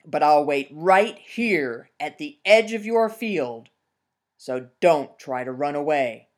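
A woman voicing a hungry, bullying male bear in a told folk tale, slow and menacing. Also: deep voice, lively intonation.

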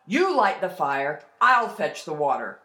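A woman's voice: low-pitched, very animated, unhurried, heavily acted. Woman acting out a blustering storybook troll, echoey. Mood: panicked pleading. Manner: threatening yells giving way to pleading. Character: enormous blustering male troll, easily frightened and gullible. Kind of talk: folktale storytelling.

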